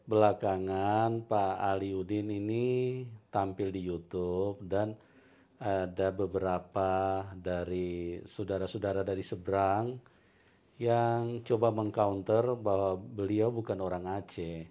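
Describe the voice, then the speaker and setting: A pastor hosts the interview and introduces his guest in a measured, slightly hesitant way. His voice is low and dark in tone. The recording sounds dull and lo-fi. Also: fairly even intonation. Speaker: pastor and host. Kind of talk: interview hosting.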